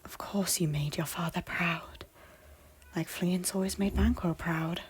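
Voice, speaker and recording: A woman playing a guilt-ridden noblewoman in an audio drama, pleading earnestly in formal, theatrical phrases with a breathy, husky voice. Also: fairly low pitch, steady tone, measured pace. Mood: earnest reassurance. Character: guilt-ridden, repentant noblewoman and former schemer, earnestly hopeful. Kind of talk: audio drama acting of a Shakespeare-style story.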